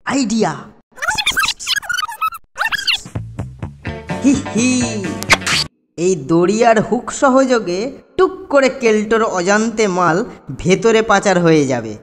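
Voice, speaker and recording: An actor playing a clever, mischievous young schoolboy ringleader in a children's cartoon, with a cheeky manner. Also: male voice, high voice, expressive, unhurried. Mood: clever, gleeful. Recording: loud music behind the voice.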